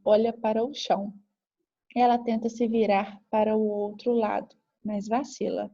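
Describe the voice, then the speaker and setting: A woman calmly reading aloud the account of a group therapy session, in a measured narration. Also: mid-range voice, highs cut off. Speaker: reader.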